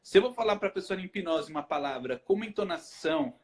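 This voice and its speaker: A man's voice: sits high, expressive, fast. A man from Brazil, a hypnotherapist hosting a casual live chat, explaining with rhetorical questions that he answers himself. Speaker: hypnotherapist host.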